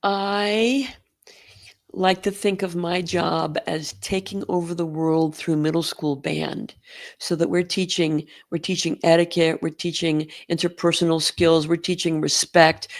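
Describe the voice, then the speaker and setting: A middle-aged woman from Oregon in the US, a school band director, is a guest in a conversational interview, spinning warm stories and laughing easily. Her voice sits low with a flat, slightly slow delivery, and there's no room sound at all.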